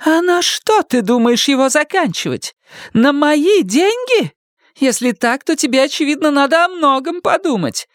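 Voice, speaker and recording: A man's voice: very high-pitched, big pitch swings, normal speed, no echo, studio quality, voice pushed up, heavily acted. A man doing a shrieking furious mother. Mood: sarcastic. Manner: screeching, sarcastic, yelling. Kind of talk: audiobook character reading.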